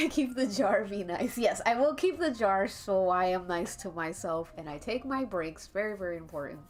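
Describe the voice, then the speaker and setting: A woman's voice: medium pitch, normal speed. A young woman with a congested, stuffy nose, chatting casually and rambling to her chat while she draws, laughing often. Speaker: art streamer. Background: faint calming jazz music.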